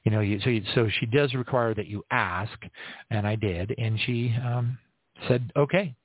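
A man hosting an online prayer service, talking in a rambling, halting way with many fillers and restarts and frequent little bursts of praise. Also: mid-range voice, no room sound. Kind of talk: casual unscripted church broadcast talk. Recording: tinny phone-like audio, soft music behind. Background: faint music.

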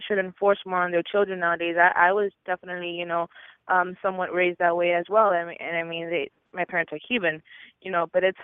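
A man's voice: sits high, little pitch movement, quick pace, clean tone, no echo. A man from Miami hosting an interview in casual conversation, with many restarts and "you know", heard over a phone line. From Miami, United States. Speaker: host.

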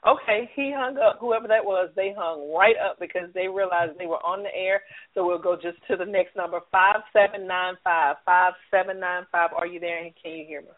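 A woman's voice: fairly low pitch, fairly even intonation, fairly quick. A woman hosting a call-in talk show, chatty and long-winded, heard on tinny phone-line audio. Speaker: radio call-in show host.

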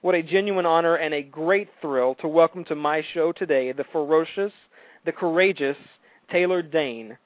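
A man's voice: a little high, moderate pace, dry recording. A man hosting a radio talk show, chatting and interviewing in an effusive, complimentary way. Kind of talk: casual chat and celebrity interview. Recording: dry phone-like line.

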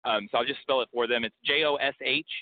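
A man joining a radio show as a guest, speaking in a relaxed, friendly way. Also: medium pitch, fast, dry recording. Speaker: guest author. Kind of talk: casual radio interview. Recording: tinny phone line.

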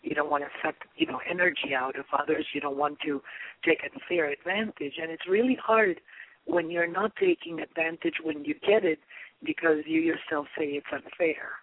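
Raspy hoarse woman on a phone line. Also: deep voice, normal speed. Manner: earnest, searching, speaks in bursts. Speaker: caller. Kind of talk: call-in radio conversation.

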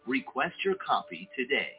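A man's voice: mid-range voice, very animated, normal speed. A man announcer reading a scripted donation appeal in a promotional delivery. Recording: tinny sound with loud music behind.

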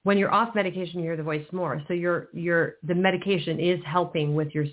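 Woman, lower register, radio psychic host who probes callers; tinny phone-like audio. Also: fairly even intonation, brisk. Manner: probing, restarts mid-sentence. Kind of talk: call-in radio reading.

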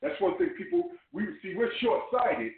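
A man on a phone speakerphone as a call-in guest, talking about spiritual ideas in a halting way and often repeating words. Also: very high-pitched, huge pitch swings, creaky. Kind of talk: casual spiritual discussion. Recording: tinny, echoey speakerphone line.

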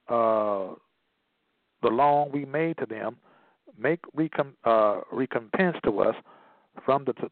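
A man delivering a forceful lecture at a middle pitch, repeating key phrases for stress and sometimes reading from a page. The sound is thin and phone-like, with no room echo at all. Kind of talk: emphatic lecture, partly read aloud. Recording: tinny phone-like line, dry.

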